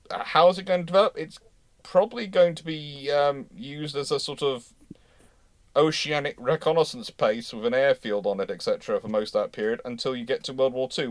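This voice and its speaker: A man's voice: medium pitch, no echo. Man hosting, rambling and unscripted. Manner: rambling, repeats and reworks phrases. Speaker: host of a live naval history Q&A. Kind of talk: unscripted discussion, reading out viewer questions.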